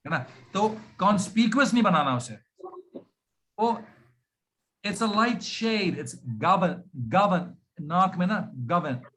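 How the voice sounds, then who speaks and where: A man with an Indian accent coaching pronunciation on a video call, drilling words slowly and switching into Hindi. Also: sits high, expressive, sharp tone. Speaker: pronunciation trainer.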